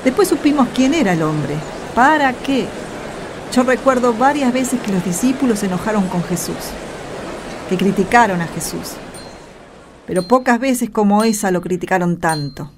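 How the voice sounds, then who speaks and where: A woman's voice: mid-range voice, lively intonation, normal speed, background noise, lightly acted. A woman acting a reminiscing storyteller, narrating a radio drama reflectively. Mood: fond, reminiscing. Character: reminiscing storyteller who loves trees, follower of Jesus. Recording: clear music under the voice.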